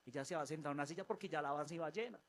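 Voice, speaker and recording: A man with a fairly high voice tells a personal testimony in church. He talks with lively animation, breaks off and restarts his phrases, and acts out the voices in his story. A faint noise sits behind him. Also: rapid-fire. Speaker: church member giving testimony. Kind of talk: spoken testimony in a church service.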